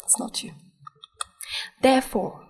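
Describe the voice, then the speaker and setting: A woman's voice: measured pace, natural voice. A woman playing a devout, scolding Nigerian Christian mother in an audio drama, with a Nigerian accent and an insistent, preachy manner. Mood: commanding exorcism. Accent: Nigerian Igbo-language English. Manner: preachy, exclamatory, repeats herself insistently. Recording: music behind the voice.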